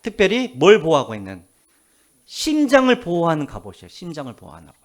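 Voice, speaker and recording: A male pastor preaching a Sunday sermon in a fairly high voice that rises and falls a lot. He keeps putting questions to the congregation and answering them himself. He slows right down when he reads scripture aloud. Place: church sanctuary.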